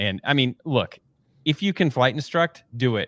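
A man speaks in a bright, sharp tone. The sound is dry with no echo, and the background is quiet. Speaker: podcast host, business aviation pilot; podcast host. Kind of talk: casual chat. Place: home room. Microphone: studio mic.

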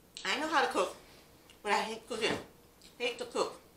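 A woman speaks in a high pitch with a bright, sharp tone. Audible room echo surrounds her voice. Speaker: mukbang vlogger. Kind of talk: casual vlog chat. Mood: relaxed, chatty. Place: home room. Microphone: webcam.

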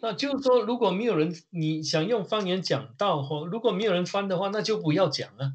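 Lively intonation from a man at a moderate pace, hardly any pauses. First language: Mandarin Chinese (speaking French). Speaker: preacher. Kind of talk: sermon. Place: home room. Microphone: webcam.

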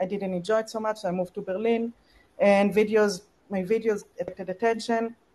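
Fairly quick, fairly high-pitched speech from a woman, flat and monotone in intonation. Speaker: visual artist. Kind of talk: panel discussion. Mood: calm, matter-of-fact. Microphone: video call.

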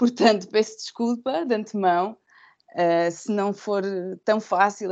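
Over a quiet background, a woman speaks at a medium pitch and a fairly slow pace, with ordinary pitch variation. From Portugal. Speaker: philosophy professor. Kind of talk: lecture. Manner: halting, many fillers. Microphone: video call.

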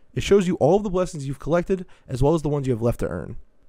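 Speaking at a very fast pace, a man has lively intonation and a dark, mellow tone. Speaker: gaming content creator. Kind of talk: video game commentary to viewers.

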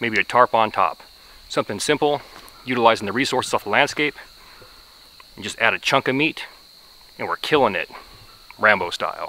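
The voice moves at a fairly quick pace with ordinary pitch variation. The sound is dry, with no echo. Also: man. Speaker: outdoor vlogger. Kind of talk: casual vlog chat. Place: forest. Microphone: phone near.

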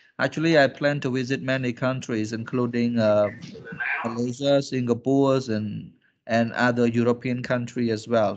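With fairly even intonation, a man talks while noticeable background noise runs behind him. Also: moderate pace. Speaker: English teacher. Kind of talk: online lesson explanation. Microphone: video call.

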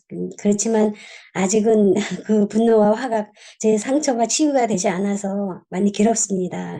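A woman speaks at a fairly slow pace in a dark, mellow tone. Her pitch sits in the medium range, and her intonation stays fairly even. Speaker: meditation practitioner asking a question. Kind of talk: question at a Q&A session. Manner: halting.

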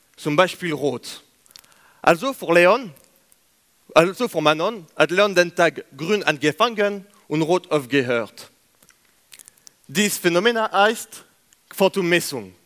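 Against a quiet background, a high-pitched man with a French accent talks very slowly with lively intonation and long, frequent pauses. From France. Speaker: physics doctoral student. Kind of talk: science slam talk. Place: stage.

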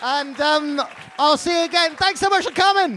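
Over crowd noise in the background, a man projects a raised voice with ordinary pitch variation. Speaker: comedy night host. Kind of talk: closing announcements from stage; compere closing announcements. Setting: stage with audience. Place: stage. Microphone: handheld.

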